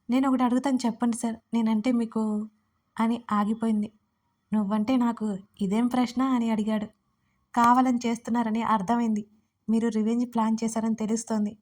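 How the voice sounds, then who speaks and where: A woman's voice: on the high side, darkish tone. A woman narrating a romantic story and reading both lovers' lines herself. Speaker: writer and narrator.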